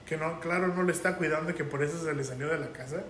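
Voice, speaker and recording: A man's voice: on the high side, fast talker, echoey room, slight background noise. A man from Mexico with a Mexican Spanish accent, telling anecdotes animatedly in casual podcast chat. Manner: animated storyteller.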